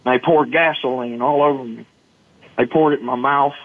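A man's voice: mid-range voice, steady tone, moderate pace. A man from Arkansas with a Southern US accent, telling personal stories as an interview guest in a folksy, earnest manner. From Arkansas, United States. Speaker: guest, motivational storyteller. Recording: muffled phone-like line, dry.

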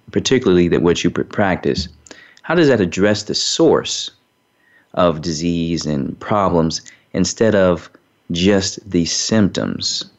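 A male show host interviewing a guest, talking haltingly with frequent fillers. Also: sits low. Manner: halting, frequent um and you know. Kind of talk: interview hosting. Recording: dull lo-fi recording.

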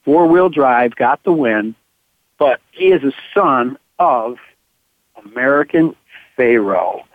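A radio host talking horse racing with a slightly hoarse voice, halting often with uh between phrases and getting enthusiastic about winners. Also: male voice, mid-range voice, lively intonation, no echo. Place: at home on a farm. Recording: tinny dry phone line.

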